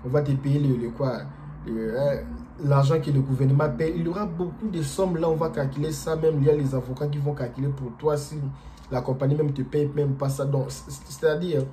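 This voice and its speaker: Hesitant man with a very dark voice. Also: mid-range voice, slight background noise. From DR Congo. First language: not French. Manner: hesitant, halting, frequent fillers and repeated words. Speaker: vlogger. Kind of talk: casual explanatory monologue.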